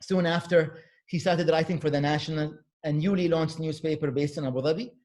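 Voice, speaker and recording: Man hosting an online video-call talk. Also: fairly high pitch. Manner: relaxed, halting with fillers, mixes in Arabic words. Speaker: host. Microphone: computer mic on a video call.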